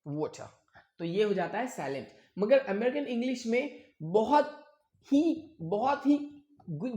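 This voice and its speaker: Man teaching pronunciation, slow repeated examples. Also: high-pitched, reverberant. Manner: repeats example words slowly, drawn out. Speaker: English accent teacher. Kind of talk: explaining pronunciation rules to viewers.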